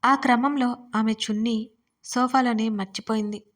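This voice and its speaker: A woman storyteller narrating a romance audio story in a steady, expressive reading voice. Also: on the high side, normal speed.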